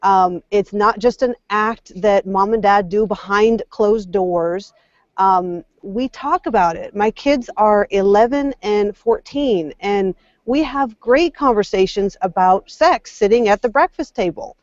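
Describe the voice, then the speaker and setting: A woman in her forties, a mother and guest, speaking openly and warmly from the heart on a casual panel show, thinking aloud as she goes. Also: mid-range voice, measured pace, no echo, dull audio.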